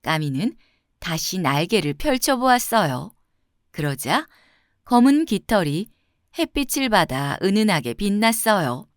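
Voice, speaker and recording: A woman storyteller narrating a children's fairy tale from a script, with expressive, carefully phrased delivery. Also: mid-range voice, unhurried, no echo, studio quality.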